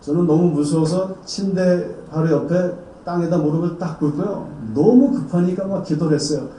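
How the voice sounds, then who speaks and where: Speaking at a moderate pace, this male pastor has a warm, fairly high voice while he performs the voices in his sermon story. Slight background noise and faint ambience fill the roomy, distant church hall recording.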